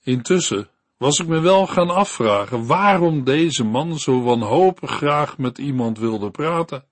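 A man reading a devotional story and sermon for a radio Bible program, in a slow, earnest storytelling manner. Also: medium pitch, lively intonation, no echo.

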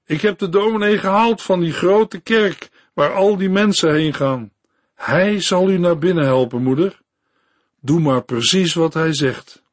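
A man's voice: high voice, unhurried, no echo, voice pushed up. A man voicing a poorly dressed young girl who urgently begs a minister to come with her. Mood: eager. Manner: begging, urgent. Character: poor pleading young girl.

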